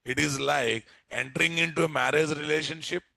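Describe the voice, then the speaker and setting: A man's voice: on the high side, steady tone, fairly quick, creaky, pushed and bright, dry recording, clean studio sound. A man with a Telugu Indian accent giving an informal technical lecture as a programming teacher, often putting check questions to his listeners. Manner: asks frequent rhetorical check questions.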